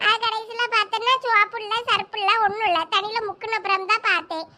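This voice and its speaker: A woman voicing a talkative, nosy village woman in an animated comedy. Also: extremely high pitch, quick pace, full character voice. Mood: chatty. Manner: gossipy, rambling.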